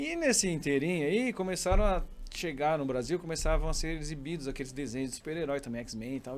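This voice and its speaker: A man's fairly high-pitched voice at a very fast pace. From Brazil, Marília (São Paulo state). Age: 40s. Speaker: comic book creator and marketing entrepreneur. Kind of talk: podcast interview. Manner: casual, conversational with fillers.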